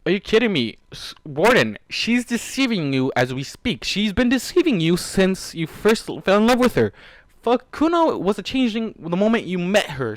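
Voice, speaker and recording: A man's voice: high-pitched, no echo. Exasperated, swearing man in a dry close space. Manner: profane, exasperated, addresses characters directly. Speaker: fan fiction reader and reactor. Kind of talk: reading a story aloud with angry ranting commentary.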